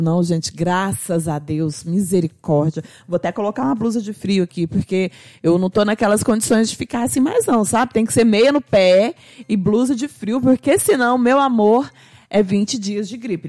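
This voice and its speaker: A woman's voice: medium pitch, a little mellow, no room sound, clean studio sound. A woman, hosting a radio call-in show with chatty, affectionate talk. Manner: chatty and affectionate, addresses listeners as "gente". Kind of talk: casual radio chat.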